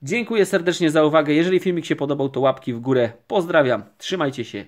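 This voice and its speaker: A man giving calm, unhurried commentary while opening sticker packs, naming each card as it appears. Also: fairly high pitch. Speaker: card collecting vlogger. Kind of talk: casual pack-opening commentary. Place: indoors at a table, camera overhead on hands.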